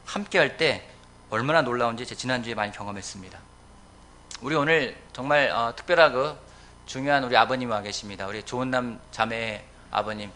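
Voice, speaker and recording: Bright-voiced male pastor preaching. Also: a little hiss or hum. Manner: emphatic, rising to loud exhortations then dropping low. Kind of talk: sermon. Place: church sanctuary.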